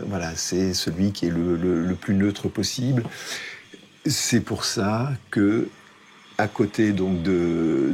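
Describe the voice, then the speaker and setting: A man with a low voice speaks off the cuff as an interviewed expert. He hesitates and hunts for words, and there is faint ambient noise around him. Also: darkish tone. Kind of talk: unscripted interview explanation.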